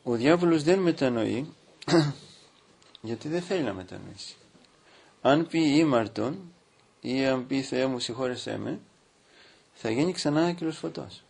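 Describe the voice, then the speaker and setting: A man preaching as a priest, reading from a book and stopping to comment, with slow, drawn-out emphasis. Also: medium pitch, animated, creaky, darkish tone, husky. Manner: reads aloud from a book, breaking off to comment. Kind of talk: sermon.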